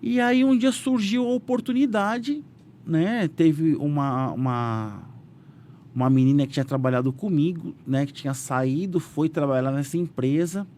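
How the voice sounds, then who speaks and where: A man's voice: measured pace, a little hiss or hum. A businessman with a Brazilian Portuguese accent, a guest telling his story animatedly in a casual interview and acting out quotes. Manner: animated, voices quotes with raised pitch, frequent "né?" fillers.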